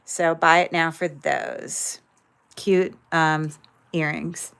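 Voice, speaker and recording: A woman's voice: low voice, flat delivery, takes it slowly, vocal fry, a little hiss or hum. A woman selling jewelry on a livestream, chatting casually with lots of fillers while she handles each pair. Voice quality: describes own voice as loud. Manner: chatty, many fillers, thinks aloud while handling items. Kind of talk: casual livestream sales chat.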